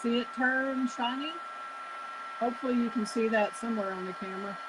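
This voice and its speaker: Fairly high-pitched and fairly quick, a woman teaches card making against some background noise. She keeps the tutorial casual, chatting away, correcting herself, laughing at her jokes, and coughing slightly from time to time.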